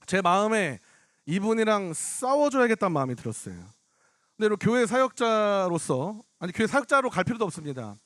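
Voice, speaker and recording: A young adult man, a pastor, telling a story in a sermon at an outdoor prayer rally, animated, acting out what others said. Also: high voice, brisk, no echo, studio quality. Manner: animated storytelling, acts out other people's lines. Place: outdoor public square.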